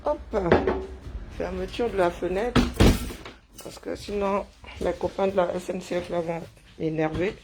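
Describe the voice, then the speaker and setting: A woman's voice: lowish voice, steady tone, unhurried, long pauses, heavy background noise. A woman, chatting casually on a live stream, greeting viewers by name and joking.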